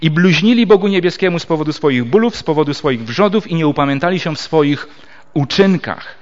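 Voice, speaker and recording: A man preaching a Bible teaching sermon in a fairly high voice, explaining step by step and reading scripture with measured pauses. The sound is dull and lo-fi. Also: lively intonation. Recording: dull lo-fi recording.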